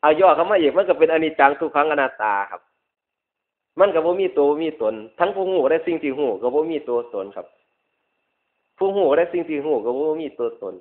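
Man, Isan northeastern Thai accent, Buddhist monk sermon, slightly high pitch, emphatic repetition, thin phone-like lo-fi sound. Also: fairly quick. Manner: emphatic repetition, ending phrases with polite particles. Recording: dull lo-fi radio-like recording.

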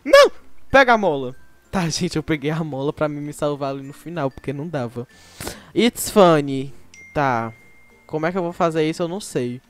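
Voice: medium pitch, moderate pace, faint music behind. A Brazilian-accented YouTube gamer chatting to viewers while playing, with frequent exclamations and sudden shrieks. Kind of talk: casual gameplay commentary.

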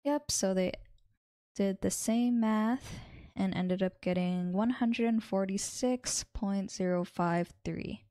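Female tutor, twenties, mid-range and crisp, measured step-by-step teaching delivery, very dry close-miked sound. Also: medium pitch, warm tone, no room sound. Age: 20s. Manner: measured, explains step by step while writing. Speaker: chemistry tutor. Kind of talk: instructional tutorial, working through a problem. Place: small indoor room at a desk.

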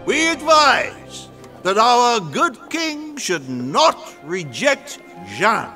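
High-pitched, deliberate, learned friar. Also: male voice, very animated, sharp tone, soft background music, exaggerated voice. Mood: solemn. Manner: formal, deliberate, oratorical. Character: grave, learned friar and university theology dean. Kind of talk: audio drama acting.

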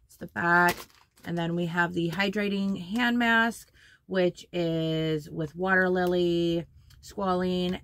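A woman in her thirties talks through a shopping haul in a small home studio, her voice low and rough with fry, a bit raspy from a cold. She chats casually and lists each item's details. A faint hiss sits under the close camera mic. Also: fairly bright tone. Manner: chatty, lists product details while holding items up. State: has a cold, slightly raspy. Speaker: beauty haul vlogger. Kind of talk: casual product haul chat. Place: small decorated bedroom studio, indoors.

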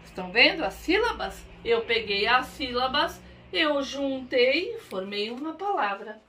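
A woman's voice: high-pitched, big pitch swings, a little slow, pushed and bright. A Brazilian woman teacher reading words aloud syllable by syllable for young children in a literacy lesson, coaxing them to read along. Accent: Brazilian Portuguese.

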